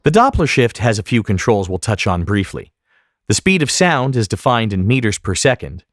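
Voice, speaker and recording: A man giving scripted software tutorial narration as an instructor, speaking in a precise, explanatory way. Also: lowish voice, very animated, moderate pace, no room sound.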